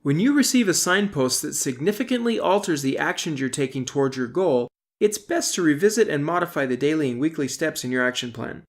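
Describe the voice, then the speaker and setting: A middle-aged man, an author, reads his self-help audiobook in a deliberate, instructional way, stressing key terms. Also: on the high side, expressive. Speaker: author reading own audiobook.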